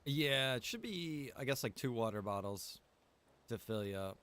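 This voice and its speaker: A man's voice: medium pitch, expressive, normal speed, fairly bright tone. A man chatting casually on a gaming stream in a rambling, casually profane way. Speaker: streamer playing a roleplay survival game.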